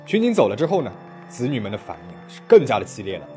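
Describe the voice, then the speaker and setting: Animated male true-crime storyteller. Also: medium pitch, fast talker, soft background music. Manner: dramatic storytelling with rising emphasis. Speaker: storyteller narrator. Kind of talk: scripted true-crime narration.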